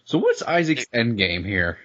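A man's voice: medium pitch, huge pitch swings, moderate pace, fairly bright tone, dull audio. A man giving casual comedy commentary on a film, joking crudely and sounding incredulous.

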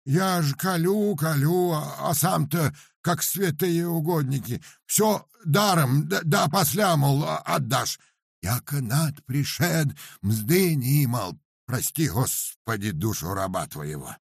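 A pious, self-pitying peasant man, wailing his grievances in a strained, drawn-out, much higher voice than the reader's own. The tone stays gravelly and husky. The audiobook recording is close and dry. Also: lively intonation, no room sound, heavily acted. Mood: indignant. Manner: loud wailing complaint, drawn-out words.

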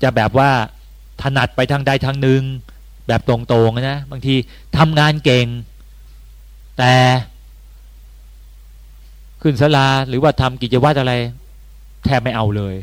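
A man's voice: medium pitch, steady tone, a little slow, pauses often, no echo. A man, a Buddhist monk, giving a conversational dharma talk with bursts of rising emphasis.

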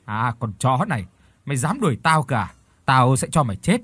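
A man's voice: mid-range voice, sing-song, moderate pace, fairly bright tone, slightly rough, dry recording. A man voicing a drunken, abusive middle-aged husband who snarls insults, in a storybook reading. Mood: snarling.

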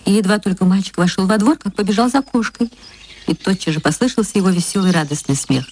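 A woman narrating a literary radio play in a measured, expressive way. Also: medium pitch, husky.

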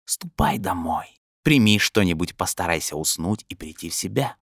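A man performs a sinister voice in the head for an audiobook. It is hushed and whispery, low in pitch, ironic and admonishing. It presses its warnings in a dry, close sound. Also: lively intonation, normal speed, vocal fry, no room sound, full character voice. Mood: quietly insistent. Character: sinister disembodied inner voice, coldly insistent and mocking.

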